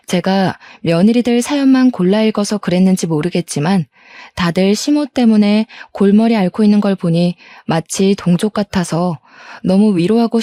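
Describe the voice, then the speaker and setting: A woman's voice: medium pitch, mellow, no room sound. A woman in her thirties reading a first-person story aloud in an aggrieved, complaining tone. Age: 30s.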